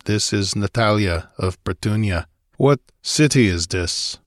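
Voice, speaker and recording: A man voicing a gruff, blunt barbarian warrior with grim humor in a fantasy audiobook, growling and snarling his words. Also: lowish voice, lively intonation, measured pace, no room sound, studio quality.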